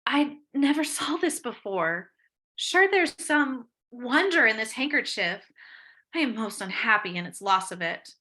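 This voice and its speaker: A woman reading the part of a gentle, troubled young noblewoman in Shakespearean verse, earnest and expressive. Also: fairly high pitch, unhurried. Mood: troubled wonder. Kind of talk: Shakespeare read-aloud, dramatic verse.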